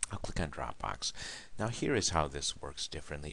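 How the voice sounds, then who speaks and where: A soft-spoken man with a bright, sharp tone and vocal fry. His pitch varies in an ordinary way. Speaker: instructional technology trainer for teachers. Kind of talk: tutorial. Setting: at home. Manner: halting.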